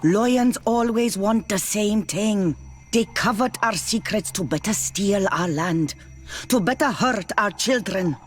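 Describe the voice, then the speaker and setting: Actress as a slow, distrustful tribal woman. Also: medium pitch, faint music behind, natural voice. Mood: bitter, accusing. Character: bitter, distrustful tribal islander. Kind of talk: scripted video game acting.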